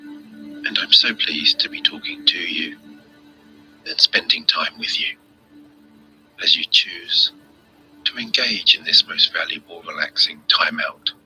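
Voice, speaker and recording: A man with a very deep voice narrates a guided sleep hypnosis script. His delivery is soft, breathy and soothing, with measured pauses between phrases. The tone has a very bright, sibilant edge, and music plays faintly behind him. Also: rough recording. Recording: music bed under the voice.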